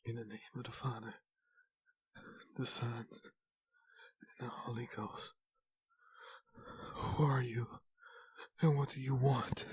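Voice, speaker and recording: Old preacher for a horror storybook, male narrator putting him on: frightened yet brave, very husky, pitched far above the narration. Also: fairly even intonation, slow, pauses often. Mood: hushed, fearful.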